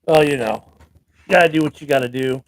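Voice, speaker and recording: A man's voice: medium pitch, brisk. A man co-hosting a casual sports chat show, talking loosely with fillers and laughs. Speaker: podcast co-host.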